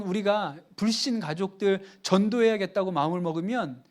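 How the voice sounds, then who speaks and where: A man's voice: high voice, darkish tone. A middle-aged man preaching a sermon as pastor, earnest and emphatic, acting out quoted dialogue.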